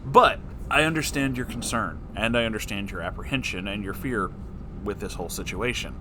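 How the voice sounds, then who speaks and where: A man's voice: fairly low pitch, a little fast, bright, forceful tone, slight background noise. A man hosting a letter-reading show, performing listeners' letters expressively and answering with wry, conversational advice. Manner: theatrical, wry asides.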